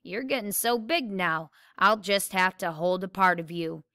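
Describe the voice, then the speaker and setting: A woman voicing a calm, soft-spoken middle-aged father in a read-aloud novel. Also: mid-range voice, a little slow, no room sound, clean studio sound.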